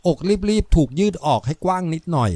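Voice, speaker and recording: A man narrating an audiobook novel in a steady storytelling voice. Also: on the high side, fairly quick, no room sound.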